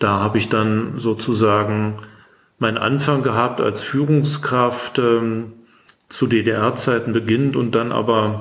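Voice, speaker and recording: Very slow speech from a man, audible room echo around it. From Brandenburg, Lusatia. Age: 50s. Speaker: district administrator and politician. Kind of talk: interview. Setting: office. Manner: hesitant with frequent fillers; formal.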